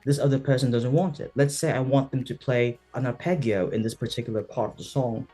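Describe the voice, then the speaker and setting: A man's voice: medium pitch, fairly even intonation, fairly quick, warm tone, slightly rough, faint music behind. A man from the Philippines with a British English accent, a guest answering interview questions over a video call in an earnest, reflective way. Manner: earnest, reflective, sprinkles in "right?" and "you know". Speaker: guest, singer-songwriter.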